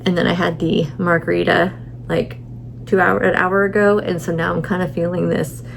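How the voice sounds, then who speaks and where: A woman's voice: lowish voice, little pitch movement, moderate pace, vocal fry, a little hiss or hum, low-quality recording. A middle-aged woman chatting casually in a vlog from a hotel room, rambling with many fillers, tired and a little stuffy. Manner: rambling, lots of fillers and restarts. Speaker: vlogger.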